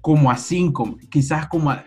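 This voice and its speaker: A man's voice: on the high side, moderate pace, breathy edge, faint music behind. Young Salvadoran man chatting on video call. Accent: Salvadoran Spanish. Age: young adult. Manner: relaxed, slangy, storytelling. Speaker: podcast guest. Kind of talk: casual comedic chat over video call. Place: room at home, indoors. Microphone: video call with earphones.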